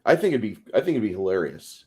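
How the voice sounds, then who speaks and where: A man's voice: on the low side, big pitch swings, quick pace, a crowd in the background. A man chatting casually as a guest and video creator on an online panel. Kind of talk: casual chat.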